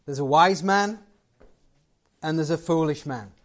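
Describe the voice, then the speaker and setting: A man's voice: a little high, a little slow. A man giving a closing sermon and prayer to a live gathering, conversational and building to emphatic points. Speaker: guest preacher.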